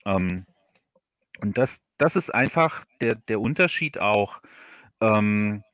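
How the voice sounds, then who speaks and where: A man in a casual livestream interview, explaining haltingly as the guest author and often repeating his words. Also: fairly low pitch, lively intonation, fairly bright tone, dry recording, studio quality. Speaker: guest, audio drama author.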